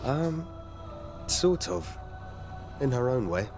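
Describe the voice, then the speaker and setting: A man's voice: mid-range voice, very animated, slow. A man playing a cocky, driven young warrior hero in a video game, with a brash, self-assured manner. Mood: modest. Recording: music behind the voice.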